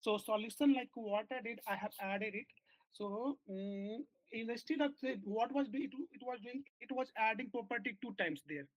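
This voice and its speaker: A man who is a software engineer, walking his team through a bug in a work meeting on a video call, with halting speech full of fillers and restarts. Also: extremely high pitch, dry recording. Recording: dull lo-fi call audio.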